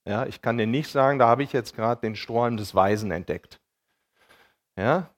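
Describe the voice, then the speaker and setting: A man preaching a sermon in a casual, colloquial way, often checking in with his listeners with short tag questions and retelling dialogue as lively acted quotes. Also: medium pitch, moderate pace. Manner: colloquial, keeps checking in with "ja?" and "okay?".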